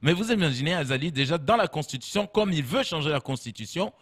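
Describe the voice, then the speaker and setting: A man's voice: a little high, lively intonation, fast, a bit bright, husky. A man co-hosting a satirical fake news segment, joking playfully with laughing asides. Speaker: comedian co-host.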